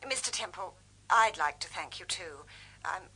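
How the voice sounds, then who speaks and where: A woman's voice: lowish voice, expressive, moderate pace, bright, forceful tone, breathy edge, full character voice, rough recording. An actress playing a gracious, grateful woman in a radio mystery drama.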